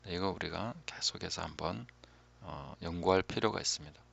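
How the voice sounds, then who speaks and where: Gravelly low-voiced man teaching calmly. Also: a little fast, slight background noise. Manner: calm, reflective, often drops to a hushed voice. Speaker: pastor. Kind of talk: Bible teaching talk.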